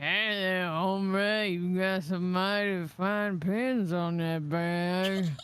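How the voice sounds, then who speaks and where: Speaking at a very slow pace, the voice is a put-on character voice pitched in the middle range. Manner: imitation of cartoon voice.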